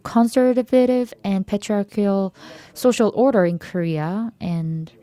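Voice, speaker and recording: A woman's voice: mid-range voice, a little slow, warm tone. A woman moderating a forum, plainly summarizing the last talk and introducing the next panelist.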